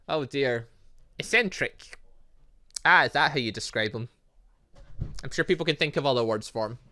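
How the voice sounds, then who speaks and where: An excitable, rambling gaming host giving let's play commentary, reading game text aloud and breaking off to exclaim. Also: mid-range voice.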